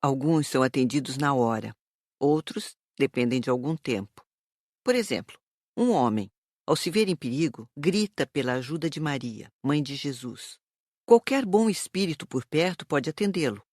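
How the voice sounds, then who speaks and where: Measured actress as a woman spirit teacher. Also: extremely low pitch, animated, a little mellow, dry recording, clean studio sound. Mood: instructive, earnest. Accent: Brazilian. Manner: didactic, measured. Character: Dona Isaura, calm instructive woman spirit teacher. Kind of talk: dramatized audiobook dialogue.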